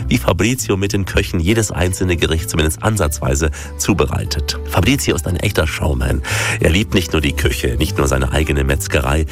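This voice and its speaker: A man's voice: extremely low pitch, normal speed. A man narrating a television travel documentary in a scripted, storytelling way. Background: faint music.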